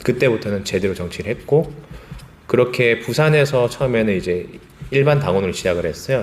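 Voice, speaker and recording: A man's medium-pitched voice, fairly quick and lively in intonation, over noticeable background noise. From Busan, South Korea. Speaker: local politician. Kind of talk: interview.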